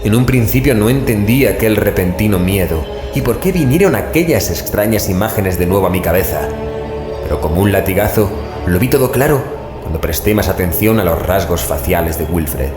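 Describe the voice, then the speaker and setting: An uneasy investigator telling a horror story as audio drama narration. His voice is low and measured, with a brooding tone. It rings with noticeable room echo over background music. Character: male investigator narrating an eerie tale, uneasy. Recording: echoey, music under voice.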